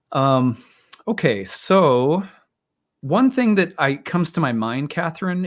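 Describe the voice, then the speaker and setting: A hoarse male astrologer rambling live. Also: medium pitch. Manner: rambling, hesitant, frequent fillers and restarts, clears throat. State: voice strained and tiring. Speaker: astrologer, live stream host. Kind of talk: casual livestream talk and chart reading.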